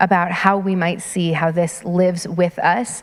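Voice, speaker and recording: With an American accent, a woman with a plain, everyday voice speaks at a medium pitch and a fairly slow pace. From US, Denver, Colorado. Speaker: rabbi. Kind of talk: lecture Q&A.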